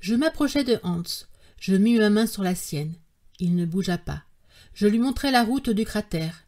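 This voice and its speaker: A woman reading an adventure novel aloud as an audiobook narrator, in a clear, measured storytelling manner. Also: mid-range voice, expressive, warm tone. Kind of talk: scripted narration.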